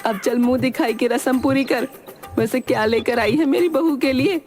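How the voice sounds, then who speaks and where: A woman voicing a bossy, sharp-tongued middle-aged mother-in-law in a cartoon story, talking in a mocking, scolding way. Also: high-pitched, moderate pace, pitched above the performer's own voice, close to an everyday voice. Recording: loud background music.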